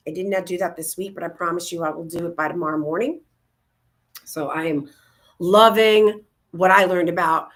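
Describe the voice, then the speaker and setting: A woman's voice: medium pitch, fairly bright tone. A woman co-hosting a casual livestream talk show from home on a video call, bubbly and gushing. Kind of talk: casual upbeat livestream chat. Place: home, indoors, in Florida.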